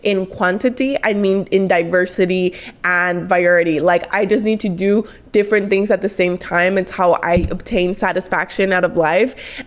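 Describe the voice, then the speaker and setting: A woman in her twenties with a Mexican accent, hosting a motivational solo podcast in an earnest, encouraging way, often speeding up in quick bursts. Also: mid-range voice. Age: 20s. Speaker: podcast host.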